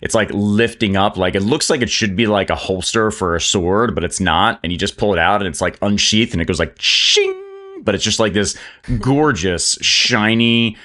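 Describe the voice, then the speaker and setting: A man's voice: on the low side, moderate pace, a bit bright. A man narrating as game master of a tabletop game, rambling with lots of fillers.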